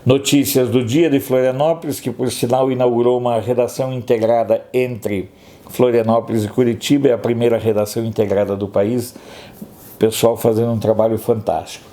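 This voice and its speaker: A man's voice: medium pitch, fairly even intonation, brisk, dark tone. A man commentator reading through newspaper headlines and adding sarcastic, opinionated asides. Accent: Brazilian Portuguese. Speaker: news commentator.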